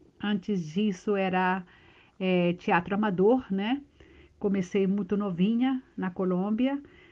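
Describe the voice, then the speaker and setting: With a Spanish accent, a woman talks at a very slow pace in a medium pitch, her pitch varying in an ordinary way. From Colombia. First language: Spanish (speaking Portuguese). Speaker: actress. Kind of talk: interview.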